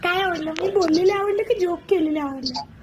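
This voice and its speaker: A woman's voice: extremely high pitch, brisk. A young woman chatting casually and teasingly on a phone call, often asking questions. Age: young adult. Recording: noisy recorded phone call.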